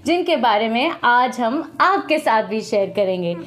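A woman's voice: fairly high pitch, animated, racing. A young woman with a South Asian accent, encouraging and prompting in simple questions as she teaches a children's Bible lesson. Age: young adult. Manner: mixes English with Hindi-Urdu. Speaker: host teaching a small child.

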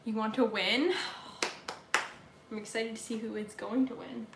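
A woman's voice: on the high side, fairly even intonation, measured pace, background noise. A young woman with a Southern accent chatting casually on a live stream from her home kitchen, answering viewer comments while she bakes. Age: young adult. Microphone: laptop or phone camera at table distance. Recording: echoey kitchen room sound.

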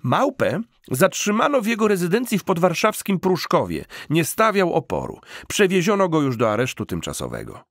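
A man's voice: fairly high pitch, huge pitch swings, moderate pace, fairly bright tone, dry recording, studio quality, voice pushed up, full character voice. A man voicing a male radio news presenter, reading formally and emphatically as in an audiobook. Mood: urgent, formal.

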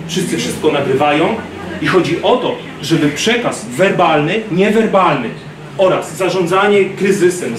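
Man, thirties, self-defense instructor, animated lecture, distant camera, roomy gym noise. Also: sits high. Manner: animated, gestures, acts out street scenes. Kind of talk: lecture to a class. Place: large gym hall, indoors. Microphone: far camera. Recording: roomy gym echo from far off.

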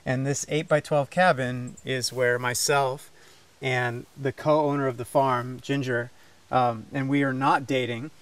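A farmer and craftsman in his forties from the United States offers a casual explanatory tour of his small farm, both indoors and outside. His mid-range voice is flat and a little slow as he earnestly and practically goes step by step through his handmade off-grid setup.

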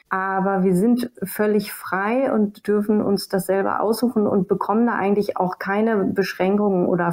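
A woman's voice: mid-range voice, darkish tone. A woman being interviewed as a guest, explaining things in a considered, conversational way. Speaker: radio drama director, interview guest.

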